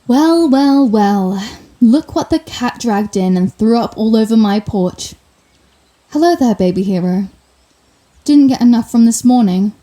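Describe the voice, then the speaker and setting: A woman's voice: fairly high pitch, expressive, a little slow, dark tone, rough recording. A woman playing a sardonic telepathic supervillain in an ASMR roleplay, theatrical and sarcastic, menacing with a hidden compassionate streak. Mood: taunting, menacing. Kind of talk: ASMR roleplay audio drama.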